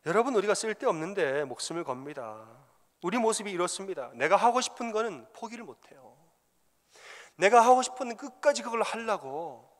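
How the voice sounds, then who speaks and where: A pastor preaches with emphatic repetition and tells stories. His voice is fairly high for a man. It rings out in a reverberant church sanctuary. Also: a bit bright. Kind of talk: sermon.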